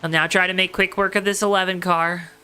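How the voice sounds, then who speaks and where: Bright, clear motorsport commentator. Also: medium pitch, little pitch movement, fairly quick. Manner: dramatic, emphatic repetition and colorful phrasing. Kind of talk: live play-by-play racing commentary.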